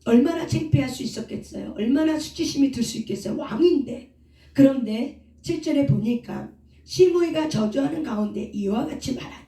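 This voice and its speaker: Preaching fairly quickly, a woman fires off rhetorical questions to her congregation and then answers each one. Her voice is mellow and on the high side, captured by a distant mic in an echoey prayer house.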